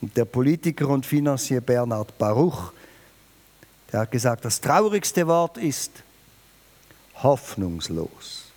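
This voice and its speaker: A man preaching a New Year sermon, emphatic and lively, speaking directly to his listeners. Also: takes it slowly, long pauses. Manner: lively, emphatic, varies pitch and volume, addresses listeners directly.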